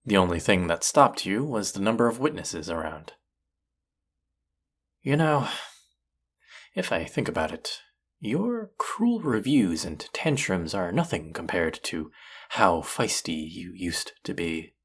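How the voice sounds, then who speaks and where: Casting: male actor as arrogant chef with a low voice, sardonic and needling, secretly fond of his rival, for intimate audio roleplay. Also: sing-song, a little slow, husky, full character voice. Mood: teasing, irritated. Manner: teasing, sardonic, condescending. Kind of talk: intimate audio roleplay acting addressed to listener.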